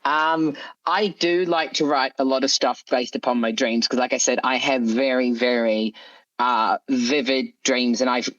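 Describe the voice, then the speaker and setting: A man's voice: medium pitch, fairly even intonation, measured pace, fairly bright tone. A man being interviewed as a writer, chatting casually and thinking aloud with frequent asides, on a slightly lo-fi recording. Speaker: guest author being interviewed. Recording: dull, lo-fi voice recording.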